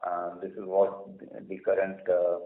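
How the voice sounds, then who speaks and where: A man speaks as a company executive fielding analyst questions. His delivery is halting and measured, with long hesitations. The sound is thin like a telephone and has clear room echo. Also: deep voice, completely flat delivery. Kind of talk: earnings call answers. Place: conference call line. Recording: echoey, narrow phone conference line.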